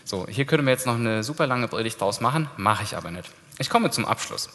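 A man gives a sermon in a relaxed, chatty manner and slips in casual slang. His voice sits at an ordinary pitch for a man. A long reverb trails after his words, as in a large hall. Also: fairly quick. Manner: lively, informal preaching with casual slang. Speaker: pastor.

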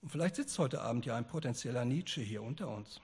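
A man's voice: mid-range voice, expressive, quick pace, darkish tone, breathy edge. A man preaching a sermon in a church hall, explaining earnestly with the odd hesitant filler.

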